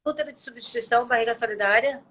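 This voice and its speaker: Brazilian woman, 40s, somewhat high voice, emotional chatty storytelling, video call. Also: racing, fairly bright tone. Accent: Brazilian Portuguese. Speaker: host. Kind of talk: casual live chat.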